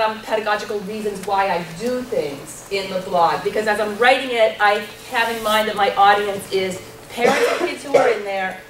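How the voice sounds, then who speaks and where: Loud-voiced woman in a roomy hall. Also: medium pitch. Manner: lively, animated storyteller with a loud voice. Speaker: panelist, math circle leader. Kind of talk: workshop panel talk. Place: workshop room. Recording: roomy hall sound from a distant mic, noisy.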